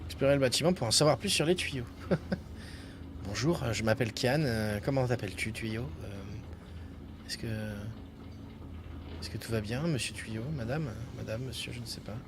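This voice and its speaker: A man streams a video game, offering casual live commentary and muttering joking asides in a mid-range voice at a moderate pace with long pauses. Noisy game audio plays behind him.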